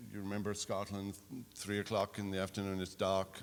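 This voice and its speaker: A man's fairly low voice in a Welsh accent. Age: 60s. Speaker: pastor and theology professor. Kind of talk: personal testimony.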